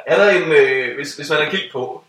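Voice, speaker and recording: A man's voice: on the high side, a bit bright. A man in casual chat, chipping in with blunt, joking remarks. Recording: roomy sound from a distant mic with faint noise.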